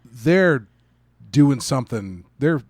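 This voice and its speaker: A man's voice: medium pitch, expressive, takes it slowly, no room sound. Man co-hosting a podcast, dry close sound. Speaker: podcast co-host. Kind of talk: casual review chat.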